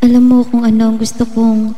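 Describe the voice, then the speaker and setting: An actress playing a tender, steadfast young woman in love in an audio drama, speaking softly in a gentle, reflective and earnest way. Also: fairly high pitch, monotone, fairly quick, lo-fi sound, natural voice. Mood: tender, loving. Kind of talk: Filipino audio drama acting, intimate dialogue. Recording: long hall reverb over music.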